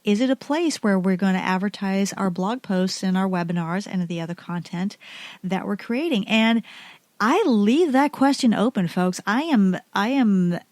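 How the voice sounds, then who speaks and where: A woman's voice: medium pitch, darkish tone, dry recording. A woman hosting a solo marketing podcast, talking in a chatty, candid way with frequent restarts and asides. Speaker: podcast host.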